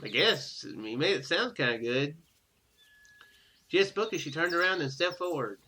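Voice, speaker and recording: A man's voice: fairly high pitch, lively intonation, moderate pace, bright, forceful tone, a little hiss or hum. A man hosting a gaming video, reading a visual novel's text aloud and dropping in casual, offhand comments. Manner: ad-libs offhand remarks, casual and informal.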